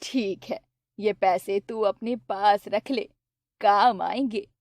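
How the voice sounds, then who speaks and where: A woman voicing a poor, worried mother in a cartoon, speaking gently and coaxingly. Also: medium pitch, takes it slowly, no room sound, clean studio sound, pitched below the performer's own voice. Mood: gentle.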